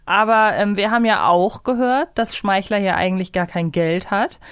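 A woman's voice: medium pitch, normal speed, smooth, no echo. Female co-host, reflective and conversational, mid-range voice, dry studio-like recording. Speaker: podcast co-host. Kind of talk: casual fan discussion of an audio drama.

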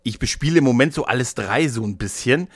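A man's voice: mid-range voice, lively intonation, quick pace, breathy edge, dry recording, clean studio sound. A man chatting casually as a podcast co-host, rambling along colloquially with English slang mixed in. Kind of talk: casual chat.

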